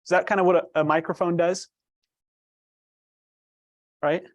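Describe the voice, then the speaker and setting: A man presenting to a room of agents, his voice quiet and a little high. He often pauses to ask the audience questions, recorded dry and close. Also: level tone, dry recording. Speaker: trainer. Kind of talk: workshop presentation.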